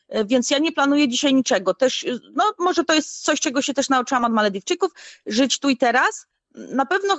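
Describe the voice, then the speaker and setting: Lively intonation marks this woman's high voice. She talks at a fairly quick pace. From Poland, Stalowa Wola. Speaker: guesthouse owner and author. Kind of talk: interview.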